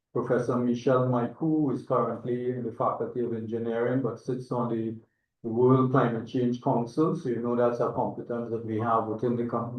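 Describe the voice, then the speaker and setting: An older man with a Trinidadian accent gives an informal conference presentation as an agronomist, speaking in a hesitant, reflective, digressive way. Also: mid-range voice. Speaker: agronomist and institute chairman, presenter. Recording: echoey, distant, dull online-meeting audio.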